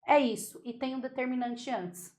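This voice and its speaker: A Brazilian woman teaching Portuguese grammar for exam prep, lively and chatty, checking in with her students again and again. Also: high voice, normal speed.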